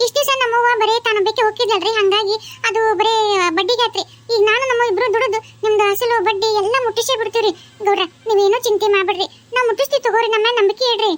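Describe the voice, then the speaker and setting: A woman's cartoonish character voice at an extremely high pitch, with fairly even intonation, very even loudness and a moderate pace. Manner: polite, deferential, respectful address.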